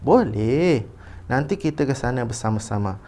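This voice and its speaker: A man's voice: mid-range voice, expressive, moderate pace, warm tone, lightly acted. A man with a Malaysian Malay accent reading the part of a caring father who explains things to his family. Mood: agreeable. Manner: earnest read-aloud.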